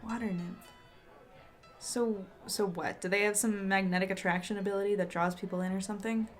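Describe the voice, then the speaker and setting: A woman's voice: mid-range voice, steady tone, fairly quick, soft background music, close to an everyday voice. A woman playing an awkward, smitten newspaper editor in a fiction podcast, with a hesitant, stammering delivery. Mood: curious.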